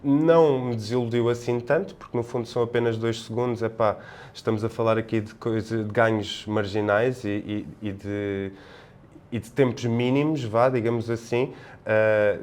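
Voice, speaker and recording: Man, European Portuguese accent, lowish clean smooth voice, podcast panelist, casual sports analysis, halting and discursive. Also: a little mellow.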